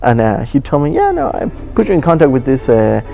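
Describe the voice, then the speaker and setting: A man's voice: mid-range voice, huge pitch swings, brisk, vocal fry, mellow, faint music behind. A man in his twenties from Argentina with an Argentine accent, a student musician talking casually in an interview. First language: Spanish. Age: 20s. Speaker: student viola player. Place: indoors in an auditorium.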